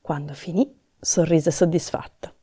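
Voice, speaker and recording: A woman narrating a children's fairy tale in a calm, gentle storybook manner. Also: low voice, unhurried, slightly rough, no room sound, clean studio sound.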